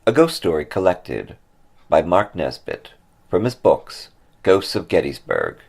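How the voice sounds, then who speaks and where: A man narrates a ghost story in a deep, gravelly voice. His phrasing is measured and theatrical, rising and falling expressively, with faint music behind. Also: huge pitch swings, darkish tone. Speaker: author reading a ghost story. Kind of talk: dramatic scripted story narration.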